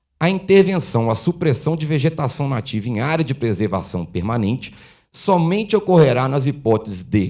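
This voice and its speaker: With a Minas Gerais accent, a man talks at a moderate pace in a dark, mellow tone, his pitch swinging very widely. The recording is very clean, with a silent background. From Minas Gerais, Brazil (Viçosa). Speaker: legislative consultant. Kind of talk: conference talk. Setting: panel with live audience.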